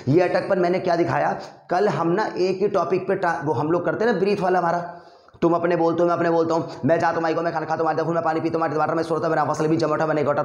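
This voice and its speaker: A young man leads a casual spoken-English lesson in Hindi, drilling short phrases over and over. His voice sits a little high. The room around him rings with echo. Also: a little mellow. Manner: repeats drill phrases over and over, addresses viewers as bhai. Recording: echoey room.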